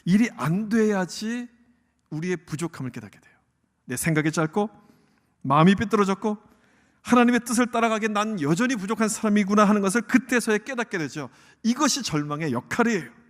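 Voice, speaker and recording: A man's voice: high voice, animated, a little fast. A male pastor delivering a sermon, often posing rhetorical questions to the congregation. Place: church sanctuary. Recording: long church hall reverb.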